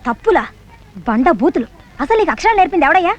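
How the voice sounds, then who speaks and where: An actress playing a sharp-tongued young schoolteacher who answers curtly and scolds in comic film dialogue. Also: female voice, very high-pitched, sing-song, fast talker. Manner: scolding, curt. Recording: dull film soundtrack with music.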